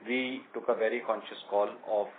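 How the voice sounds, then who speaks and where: A man with an Indian accent answering questions as a company executive on an earnings conference call, explaining in a measured, halting way. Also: lowish voice, steady tone. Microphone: conference call line. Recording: tinny conference phone line with noise.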